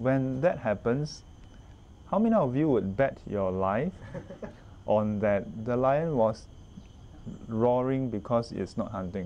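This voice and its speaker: Male voice with lively intonation at a very slow pace, with long, frequent pauses. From Singapore. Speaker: Buddhist monk and Dharma teacher. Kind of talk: Dharma talk. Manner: casual, with frequent fillers. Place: garden.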